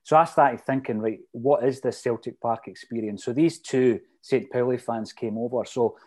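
A man's voice: medium pitch, steady tone, moderate pace, darkish tone. A middle-aged man with a Fife Scottish accent, reminiscing casually in a chatty, detailed, anecdotal way. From Fife, Scotland. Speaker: interview guest, lifelong football supporter.

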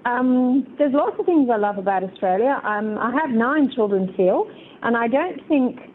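A woman's voice: a little high, expressive, normal speed, a little hiss or hum. A woman in her seventies calling a radio phone-in, chatting casually and telling family anecdotes over a tinny phone line. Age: 70s. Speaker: phone-in caller.

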